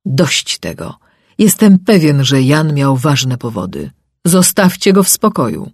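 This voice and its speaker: A man voicing a rash but loving young king, earnest and pleading, with a husky voice. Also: medium pitch, sing-song, a little slow, no room sound, clean studio sound, full character voice. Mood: commanding.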